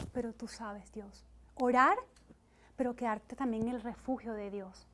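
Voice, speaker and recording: High-voiced woman giving an earnest sermon. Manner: earnest, conversational, acts out quoted voices. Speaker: speaker at a church gathering. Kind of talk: sermon-style teaching talk.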